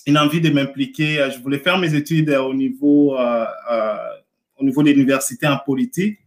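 A man from Montreal with Congolese roots talks as an interview guest. His voice sits at an average pitch. He speaks casually, in a hesitant, halting way as he builds his answers. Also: steady tone. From Montreal, Canada, of Congolese descent. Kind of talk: casual live interview talk.

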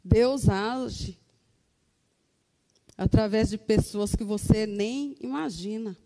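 A woman's voice: medium pitch, slow, warm tone, in a large hall. A Brazilian woman giving an earnest testimony to a congregation, calling her listeners brothers. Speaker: church member giving testimony.

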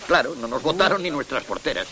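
Animated political schemer, fast and swooping, crowd noise. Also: male voice, a little high, rough recording. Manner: animated, persuasive. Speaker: film actor.

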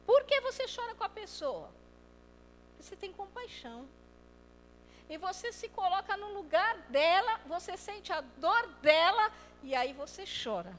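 A woman preaching a lively sermon. She acts out quoted voices and swings between loud and soft. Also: very high-pitched, a little slow, big-room sound, slight background noise.

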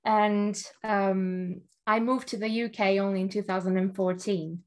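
Slow-speaking woman, not a native English speaker. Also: mid-range voice, fairly even intonation. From Germany. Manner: measured, thoughtful, laughs often. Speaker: guest, love and relationships coach. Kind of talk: interview storytelling.

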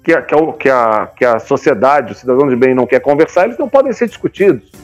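Here the Brazilian comics publisher in his fifties, a talkative interview guest, speaks quickly and expressively in a mid-range voice. His colloquial points often end in tag questions seeking agreement. The audio is dull, with faint background music.

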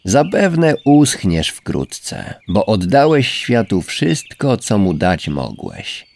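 A man voicing a proud, aloof male snail in a storybook reading, speaking slowly and coldly, as if lecturing. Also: fairly low pitch, huge pitch swings, creaky, a little mellow, full character voice. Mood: haughty. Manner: slow, indifferent, lecturing. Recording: faint background music.

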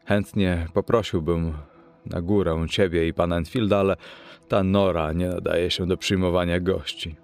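A man's voice: sits low, little pitch movement, moderate pace, darkish tone, faint music behind. A man reading as a weary, despairing doctor. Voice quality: sighing, subdued voice. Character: weary, despairing middle-aged male doctor.

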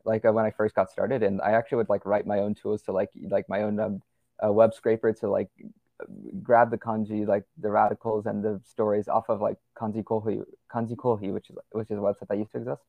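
Young man, podcast guest, quick rambling talk, fry in the voice, lowish pitch, dry room. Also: little pitch movement, no echo, phone-quality sound. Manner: rambling, many fillers and restarts. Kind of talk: casual conversational interview.

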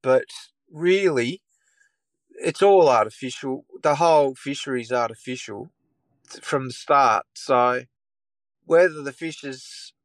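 An Australian man with a croaky voice from a cold talks through a long explanation at a steady middle pitch, circling back and restarting his sentences. The sound is dry and close, with no room around it. He talks easily, as if chatting with a mate. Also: unhurried, dry recording. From Tasmania, Australia. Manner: rambling explanations with many restarts and fillers. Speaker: guest taxidermist. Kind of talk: casual podcast chat.

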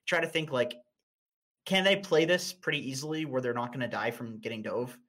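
A man's voice: mid-range voice, fairly quick, fairly bright tone. Male streamer, young adult, blunt casual talk, frequent restarts. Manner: blunt, laughs often, restarts words.

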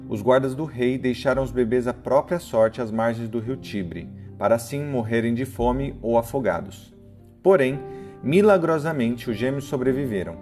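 Steady male narrator over soft guitar. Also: medium pitch. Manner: steady storytelling delivery. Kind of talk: scripted narration. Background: soft guitar music.

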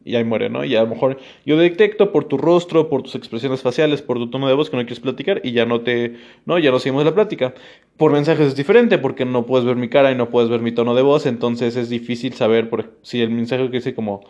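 A man's voice: medium pitch, brisk, darkish tone, lo-fi sound. A man hosting a podcast, thinking aloud in a rambling way, full of fillers and tag questions to the listener. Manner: addresses the listener directly with frequent tag questions. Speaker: podcast host. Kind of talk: casual podcast monologue.

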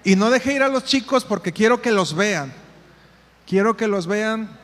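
A man's voice: high-pitched, expressive, a little slow, fairly bright tone. A man with a Mexican accent leading parents through a live group exercise, giving instructions and calling people by name. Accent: Mexican Spanish. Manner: directive, calls people by name, repeats instructions. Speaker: workshop facilitator for parents. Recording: reverberant hall sound.

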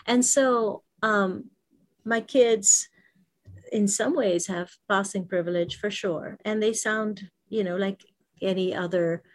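A woman's voice: medium pitch, slow pace, poor audio. A woman co-hosting a casual panel chat, talking in a reflective, emphatic way. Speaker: co-host.

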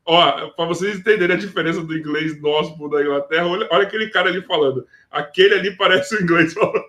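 A man's voice: high voice, fast, pushed and bright. A man in casual chat who teases, laughs easily and swears freely. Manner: laughing, teasing, swears often. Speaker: former basketball player.

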